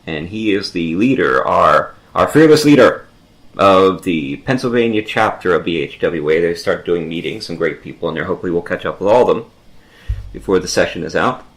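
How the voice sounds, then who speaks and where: A man co-hosts a horror podcast in easy, upbeat chat. His low voice moves a lot and stays animated. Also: fairly quick, poor audio. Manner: upbeat and chatty, laughs easily. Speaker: podcast co-host. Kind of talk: casual chat.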